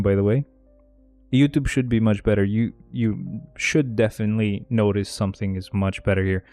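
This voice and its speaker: A laid-back male game streamer talking slowly and casually to his chat, breaking into jokes and laughing at himself. His voice sounds close and dry, with faint game music playing underneath. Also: lowish voice, a little mellow, dry recording. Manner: joking, rambling, laughs at own bits.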